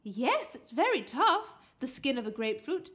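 A woman acts out a doting storybook mum who is eager to please. Her voice is high and bright, lilting up and down in animated, coaxing exclamations. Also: moderate pace. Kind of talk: children's storybook character voice.

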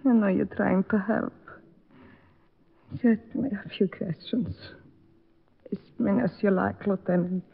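Weary old mother, creaky and slow. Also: mid-range voice, steady tone. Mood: weary sorrow. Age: older. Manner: tired, resigned, slow. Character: weary, sorrowful old mother of murdered son. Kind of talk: 1950s radio drama acting. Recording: tinny narrow-band old radio recording.

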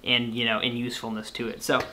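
Bright-voiced young male host on a video call. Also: medium pitch, completely flat delivery, fast talker, poor audio. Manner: easygoing, playful, wraps up the show. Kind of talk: casual debate over a video call. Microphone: webcam on a video call.

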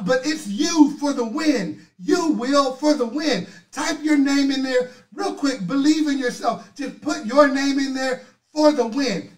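A middle-aged man with a hoarse, very high-pitched voice hosts a motivational livestream, loudly rousing his viewers and chanting out their names in an energetic pep talk. He sits at a desk indoors in front of a virtual city backdrop. His webcam picks him up on the video stream, and the sound is echoey and distant.

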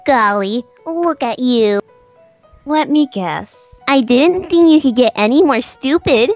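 A high, slow, falsely sweet little flower villain voiced by a woman. It taunts and menaces in an animated cartoon manner, over music. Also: dull audio, full character voice. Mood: taunting. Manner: taunting, drawn-out. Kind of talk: fan comic dub, cartoon acting.

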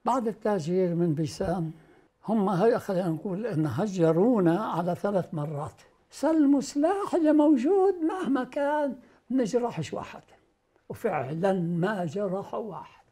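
A man in his nineties from Beisan with a Palestinian Arabic accent, speaking slowly and emphatically as he recounts his past in an indoor interview. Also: sits high, mellow. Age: 90s. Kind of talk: oral history interview. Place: indoor living room.

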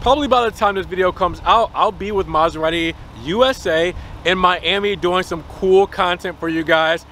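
Young male car-channel host, upbeat and chatty, higher-pitched, recorded outdoors on a lot with faint background noise. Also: moderate pace, bright, forceful tone. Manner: chatty, upbeat, addresses viewers as guys. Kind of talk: casual car review to camera. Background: light wind and outdoor ambience.

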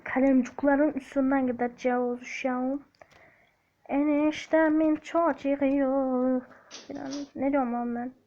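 Here the young woman's voice sits high with a dark tone and fairly even intonation, and she speaks at a measured pace. Playing a game, she banters with viewers in a mock Black Sea Turkish accent and hums snippets, all through a muffled recording.

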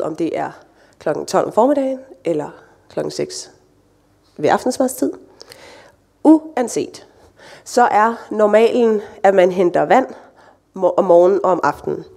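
A woman delivers a sermon in a relaxed, conversational way, slipping in light asides. Her voice sits at a medium pitch and has a warm, mellow tone. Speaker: church speaker. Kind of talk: sermon with scripture reading.

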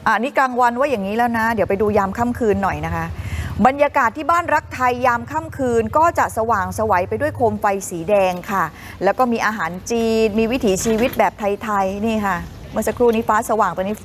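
A woman's voice: on the high side, fairly quick, a little hiss or hum. A woman co-hosting a morning news show, chatting upbeat to viewers over travel footage. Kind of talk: casual live TV chat over travel footage.

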